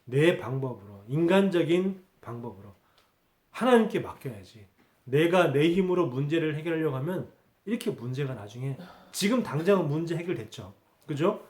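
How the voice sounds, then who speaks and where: Male pastor, higher voice, Sunday sermon, repeats key words, reverberant hall. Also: very animated, moderate pace, a little mellow. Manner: rhetorical questions answered himself, repeats key words. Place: church sanctuary.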